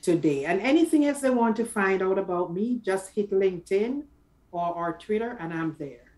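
Measured, emphatic middle-aged woman giving advice. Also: medium pitch, animated, darkish tone. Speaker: career coach guest. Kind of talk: conversational advice in an interview. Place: small office, indoors. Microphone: video call.

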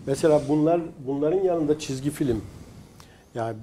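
A male guest in a studio talk with a mellow, relaxed voice. He speaks in a measured, earnest way. He pauses often on hesitant fillers. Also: on the high side, a little hiss or hum. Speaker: guest producer. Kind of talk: casual studio conversation.

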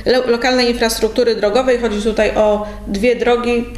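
A woman's voice: fairly high pitch, steady tone, moderate pace, slight background noise. A middle-aged woman interviewing a local official in a TV studio, asking chatty, informal questions. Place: TV studio at a table. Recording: echoey studio room.

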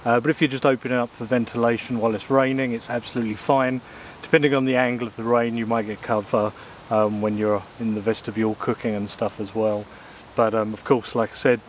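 Relaxed man outdoors. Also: medium pitch, a little hiss or hum. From England. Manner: relaxed, chatty, lots of ums and uhs. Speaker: outdoor gear reviewer. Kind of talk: casual gear review. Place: woodland outdoors, in and beside a small tent. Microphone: camera mic, close and at mid distance.

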